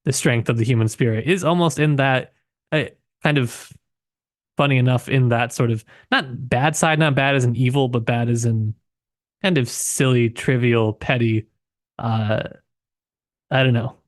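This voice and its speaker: Casting: man for literary podcast co-host. Medium pitch, reflective and self-qualifying, casual delivery, very little room sound. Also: moderate pace, no echo, clean studio sound.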